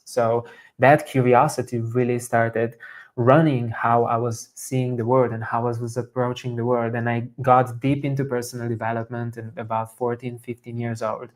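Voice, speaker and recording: Guest, male, 30s, from Slovenia; earnest and steady, with little pitch movement. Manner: steady, earnest, even-toned. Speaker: guest, somatic coach. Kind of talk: storytelling in an interview.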